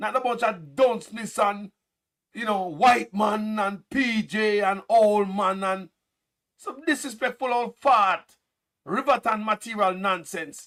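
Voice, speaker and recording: An animated tone in a Jamaican accent at a fairly slow pace. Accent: Jamaican Patois-inflected English. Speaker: political commentary streamer. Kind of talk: casual commentary.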